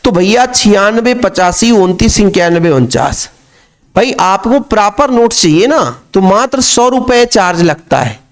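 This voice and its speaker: High-voiced man teaching chemistry. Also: big pitch swings, a little slow. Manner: repetitive, coaxing, keeps addressing the students. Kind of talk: classroom lecture.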